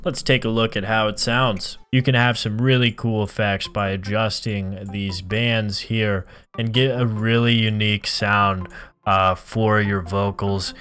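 A man with a fairly low voice hosts a software tutorial. He explains things in an instructional way and speaks directly to the viewer. Music plays behind his narration. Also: steady tone, unhurried. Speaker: tutorial host. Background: background music.

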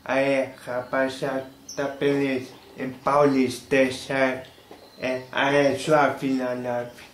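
A man's voice: medium pitch, flat delivery. A young man with a Carioca accent, talking casually to the camera in a small room and explaining slang word by word. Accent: Carioca Portuguese. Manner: slow, halting, explaining word by word. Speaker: YouTuber. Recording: roomy echo, faint hiss.

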